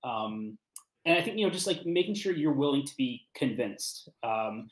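A man talks casually as a writer on an online panel, halting as he thinks aloud. His voice is mid-pitched, and the room echoes around it. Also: lively intonation. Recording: roomy echo on video call.

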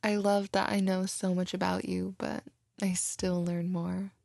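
A woman playing an affectionate, giddy girlfriend in an intimate audio roleplay, speaking softly and tenderly. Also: lowish voice, flat delivery, a little slow, no room sound, studio quality. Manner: soft, tender, breathy, giggly. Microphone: close microphone, dry room.

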